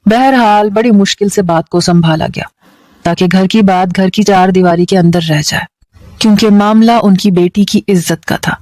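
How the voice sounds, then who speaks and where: A woman storyteller with a Pakistani Urdu accent reading a dramatic story in a steady, emotive way. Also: mid-range voice, no echo.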